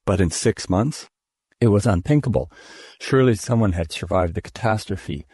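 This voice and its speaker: A man reading a classic science fiction story aloud in steady, measured first-person narration. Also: on the low side, slightly rough, dry recording, studio quality. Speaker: audiobook reader.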